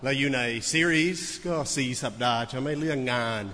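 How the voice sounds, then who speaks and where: A man's voice: mid-range voice, brisk, sharp tone. A Western man preaching a sermon, telling a story animatedly with many repeated words. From Western country. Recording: echoey hall.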